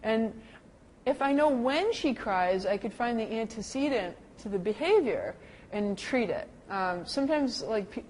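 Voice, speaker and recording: A middle-aged woman teaching a lecture to caregivers on dementia care, talking lively and acting out the people she quotes. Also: unhurried, slight background noise, rough recording. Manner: lively, acts out quoted people with big pitch jumps.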